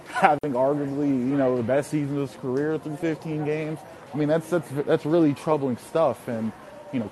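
A man talking over a video call from an airport terminal, giving a steady sports reporter's analysis with frequent fillers. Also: a little high, a little hiss or hum, rough recording. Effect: heard over a video call. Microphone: laptop or phone on a video call.

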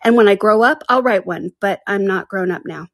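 A woman's voice: mid-range voice, brisk, dry recording, lightly acted. A woman voicing a young storybook girl who muses and reasons with herself in an earnest, chatty way. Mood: wistful, curious. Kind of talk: storybook character voice.

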